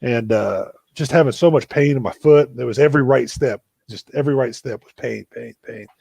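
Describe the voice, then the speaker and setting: A man hosting a live video chat, telling a story in a relaxed, self-deprecating way. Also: medium pitch, fairly quick, gravelly, husky, no echo. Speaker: running coach and show host.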